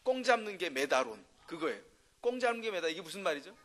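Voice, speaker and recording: A man preaching a sermon as pastor, telling stories and asking the congregation rhetorical questions, dropping to a hush and then rising to loud, emphatic bursts. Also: a little high, big pitch swings, quick pace. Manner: swings between soft, hushed passages and loud, emphatic bursts.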